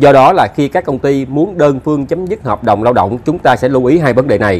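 Lively intonation marks a man talking at a very fast pace. Noticeable background noise is present. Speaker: lawyer vlogger. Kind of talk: reading a news article aloud; legal commentary.

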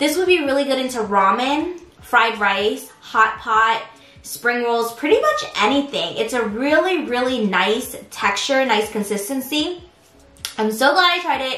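Fairly slow speech with audible room echo and faint music in the background. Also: woman, high pitch for a woman. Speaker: food vlogger. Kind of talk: casual vlog chat. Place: home room.

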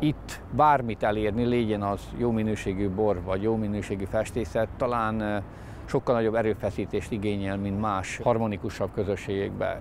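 A man with a plain, everyday voice, fairly low pitch, fairly even intonation and a fairly slow pace. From Vojvodina, Serbia (Hungarian minority). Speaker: artist from across the border. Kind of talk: interview.

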